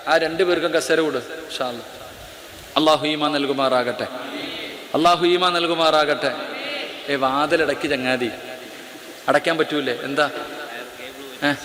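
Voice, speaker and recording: A man's voice: fairly high pitch, pushed and bright. A male Islamic preacher giving a sermon to a live audience in an auditorium, ordering the crowd about and then telling a story with drama. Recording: echoey auditorium with long reverb.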